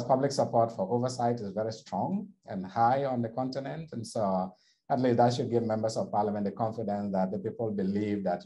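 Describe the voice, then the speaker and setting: A man's voice: lowish voice, warm tone, rough recording. A man presenting survey findings over slides in a webinar, explaining steadily with frequent restarts.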